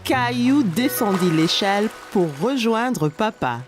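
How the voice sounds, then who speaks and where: A woman narrating a cartoon for small children in a gentle, clear storytelling manner. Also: on the high side, lively intonation, slow pace, music in the background.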